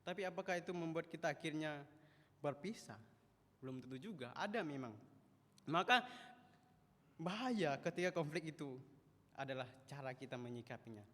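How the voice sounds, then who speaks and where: A man in his twenties preaching a sermon in a church, chatty and animated, acting out the voices he quotes. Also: on the high side, moderate pace, long pauses. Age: 20s. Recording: echoey church hall.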